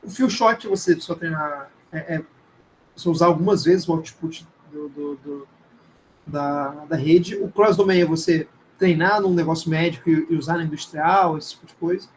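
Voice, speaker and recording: Higher-pitched Brazilian man teaching informally. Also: moderate pace, a little hiss or hum, poor audio. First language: Portuguese. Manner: conversational, hesitant, frequent tag questions. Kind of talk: informal live lecture with screen demonstration.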